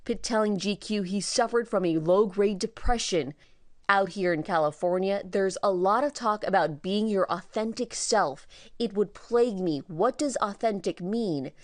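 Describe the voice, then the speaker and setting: A woman's voice: medium pitch, moderate pace, no echo. Woman reading a news report, dry sound. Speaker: news correspondent. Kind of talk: scripted news narration.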